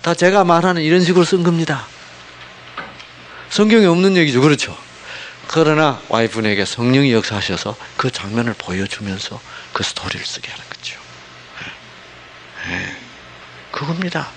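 A man preaching a sermon, asking the congregation constant rhetorical questions and dropping from loud emphasis to hushed asides. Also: fairly high pitch, moderate pace, long pauses, slight background noise. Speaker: pastor.

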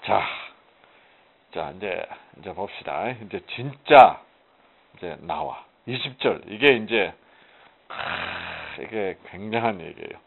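A man's voice: low-pitched, animated, slow, gravelly, slightly rough. A man teaching a casual Bible study, asking rhetorical questions and answering them himself with emphasis. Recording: muffled phone-like audio.

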